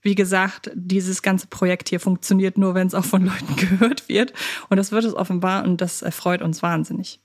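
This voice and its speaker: A woman's voice: lowish voice, steady tone, moderate pace. A woman co-hosting a podcast in an informal, chatty style, bantering with her partner. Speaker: podcast co-host.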